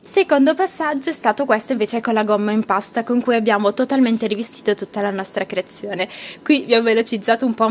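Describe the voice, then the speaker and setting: A woman's voice: on the high side, slight background noise. Woman narrating a vlog voice-over. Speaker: vlog host.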